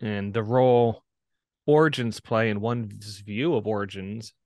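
A man's voice: on the low side, fairly even intonation, a little slow, darkish tone, no echo. Chatty host man on a video call. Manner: chatty, tells corny jokes, repeats "if you will". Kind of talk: casual interview chat. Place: home room with bookshelves. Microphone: video call with a desk mic.

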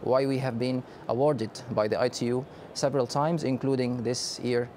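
A Sudanese man in his thirties gives a measured conference interview, pausing often with hesitations. His voice sits at a middle pitch for a man, and a faint hum of noise runs behind him. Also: fairly even intonation, a little mellow. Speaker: company director, interview guest. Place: exhibition booth studio set.

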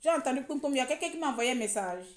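A woman's voice: high-pitched, animated, racing, roomy sound. A woman from Gabon on a live social media broadcast, talking in a heated, mocking way and repeating words for effect. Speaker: online commentator.

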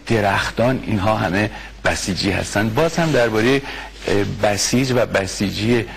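A man's voice: on the low side, vocal fry, slightly rough. A man presenting an earnest, poetic radio segment.

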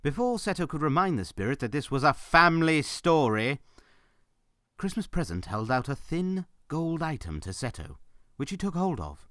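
A man's voice: fairly high pitch, sing-song, moderate pace, fairly bright tone, dry recording, studio quality. A man narrating a fan audio drama in a playful storybook style, with wry, jokey asides.

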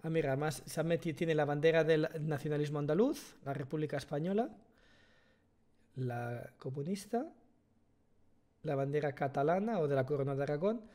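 A man's voice: on the high side, moderate pace, warm tone. A young man with a Spanish accent from Spain, streaming casual reaction commentary from a headset at home, interrupting with muttered asides and emphatic bursts. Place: small room at home.

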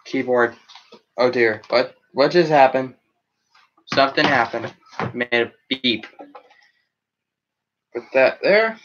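A teenage boy in a headset rambles casually through his live chat from a small room with a green backdrop, chatting and reacting to comments. His mid-range voice moves slowly with long pauses, and the audio is dull with a noisy background.

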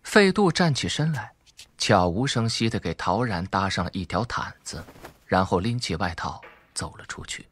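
A man narrates a suspense novel in a fairly low voice. His intonation is highly animated, shaped for dramatic scripted storytelling. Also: moderate pace, husky, no room sound. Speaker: audiobook narrator.

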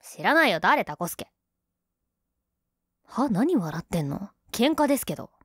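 A woman's voice: mid-range voice, sing-song, measured pace, breathy edge, no room sound, studio quality, heavily acted. A woman playing a young tsundere girlfriend in an ASMR role-play, huffy and sulky but affectionate underneath. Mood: huffy, scolding.

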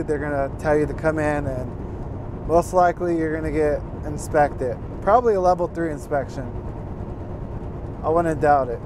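A young man driving a truck, earnestly giving casual advice to viewers and calling them guys. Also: on the high side. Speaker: truck driver giving tips. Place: inside a semi-truck cab while driving. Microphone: fixed dash camera. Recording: road noise in a moving truck cab. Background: road and engine noise.

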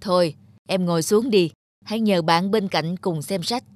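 A man's voice: high voice, normal speed, slight background noise, close to an everyday voice. A man voicing a strict but caring middle-aged schoolteacher in a children's cartoon, firm and instructive. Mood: stern.

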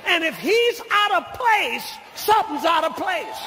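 An older man preaching a sermon as pastor, teaching slowly and deliberately, then building to shouted lines and calls for amen. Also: very high voice, very animated, crowd noise, noisy background. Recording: long hall reverb of a church.

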